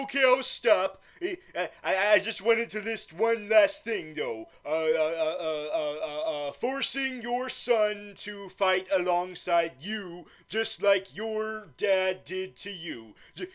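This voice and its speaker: A man's voice: high voice, takes it slowly, few pauses, a bit bright. A man voicing a nervous, lesser-known supervillain interviewer who stammers, repeats words and rambles. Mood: flustered. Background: background music.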